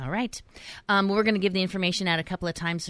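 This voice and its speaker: Recorded very cleanly against a silent background, a woman with a fairly low pitch speaks at a very fast pace. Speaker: radio host. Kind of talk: casual interview. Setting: studio.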